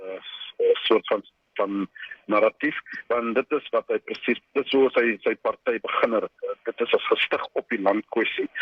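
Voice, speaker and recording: A South African man speaking haltingly in a spontaneous radio discussion, heard through a small speaker. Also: on the low side, lo-fi sound.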